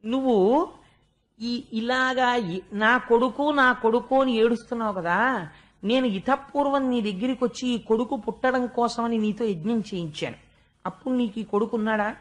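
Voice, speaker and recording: A man as a wise old sage, gently reasoning. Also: extremely high pitch, moderate pace. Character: wise old male sage consoling a king.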